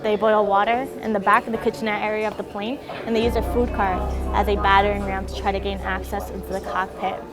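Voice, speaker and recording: A woman explaining history in an interview in a measured, explanatory way, like an educator. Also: mid-range voice, little pitch movement, over loud music.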